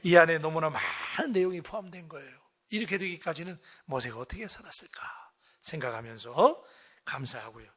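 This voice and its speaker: Husky high-voiced Korean pastor preaching. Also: male voice, fairly quick. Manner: conversational preaching, lively questions to the congregation. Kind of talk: sermon. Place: church sanctuary.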